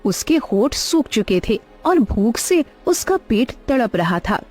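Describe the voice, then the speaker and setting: A woman narrating a cartoon story in an expressive, dramatic way. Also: fairly high pitch, unhurried, faint music behind.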